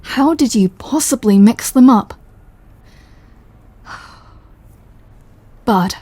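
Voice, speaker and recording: Mellow, wry British mafia boss woman, acted out by a woman. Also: medium pitch, dry recording. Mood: exasperated. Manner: dry, sardonic, sighing, exasperated. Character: apologetic, wry female mafia boss, protective and flirty. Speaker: audio roleplay performer. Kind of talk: ASMR audio roleplay, close scripted acting.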